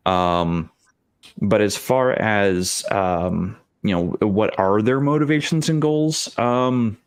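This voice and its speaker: A man in a casual tabletop gaming discussion, speaking as a game master and explaining things in a halting, rambling way with repeated phrases. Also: low voice, no echo, clean studio sound.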